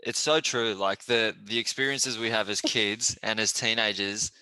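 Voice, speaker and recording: Bright-voiced male podcast host. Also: lowish voice, normal speed, clear, resonant tone, no room sound, low-quality recording. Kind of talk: casual interview chat.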